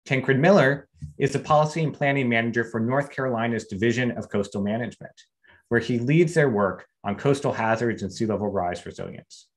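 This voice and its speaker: A man in his forties with an American accent, moderating a panel in a measured, prepared manner over a video call. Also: lowish voice. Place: small room at home or office, indoors. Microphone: video call microphone.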